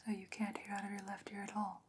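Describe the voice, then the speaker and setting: A woman playing a calm, thoughtful fantasy sorceress in an ASMR roleplay, speaking in a breathy, measured whisper with deliberate pauses. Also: mid-range voice, background noise, natural voice. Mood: concerned, probing.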